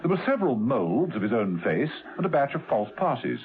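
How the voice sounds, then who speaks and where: A man's voice: mid-range voice, sing-song, normal speed, lightly acted. A man giving scripted dramatic narration for a radio serial. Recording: muffled old radio recording, faint music.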